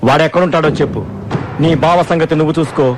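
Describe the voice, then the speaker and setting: Actor as a vengeful strongman, slightly high voice. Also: steady tone, quick pace, noisy background, natural voice. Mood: proud, vengeful. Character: self-important male strongman seeking revenge. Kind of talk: Telugu film drama acting. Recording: film soundtrack with loud score.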